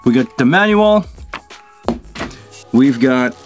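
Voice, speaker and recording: A man's voice: medium pitch, animated, takes it slowly, music in the background. A middle-aged man casually hosting a product unboxing and review, thinking aloud in an informal way as he goes. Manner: informal, thinking aloud while handling gear. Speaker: video host, product reviewer. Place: small indoor studio at a table.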